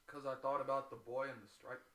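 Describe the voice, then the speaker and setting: A man chatting casually as a guest, with flippant, deadpan jokes. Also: medium pitch, a little fast. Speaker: guest friend of the host. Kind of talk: casual chat. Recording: roomy, noisy mic with clicks.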